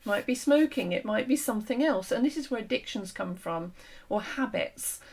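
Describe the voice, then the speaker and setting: Woman host, kinda gravelly and hoarse, explains stuff earnestly, lots of ums. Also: a little high, animated, moderate pace, darkish tone. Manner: earnest, explanatory, with frequent fillers and restarts. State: losing her voice. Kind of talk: conversational discussion.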